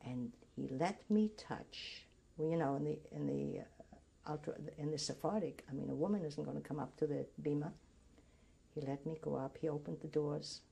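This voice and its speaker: Older woman from Greece, first language Greek, oral history interviewee; low, raspy voice, halting recollection. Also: dark tone. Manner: reminiscing, halting with restarts.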